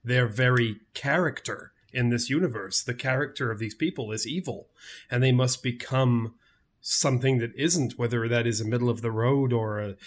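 A man with an average-pitched voice joins a casual podcast conversation. He speaks with enthusiasm and laughs easily. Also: moderate pace.

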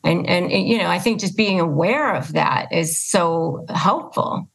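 A woman's voice: fairly low pitch, measured pace, gravelly, slightly rough. A woman hosting a podcast interview in a conversational style, often circling back to rephrase her point. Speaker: podcast host.

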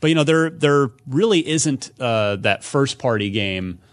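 A man in a casual panel discussion about video games, speaking haltingly as he searches for words while explaining. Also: mid-range voice, lively intonation. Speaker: podcast host.

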